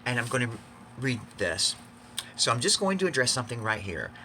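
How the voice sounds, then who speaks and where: A man's voice: mid-range voice, very animated, a little fast, sharp tone, a little hiss or hum. A man talking confessionally to fans in a campy, theatrical, emphatic way, repeating phrases for effect. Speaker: video blogger.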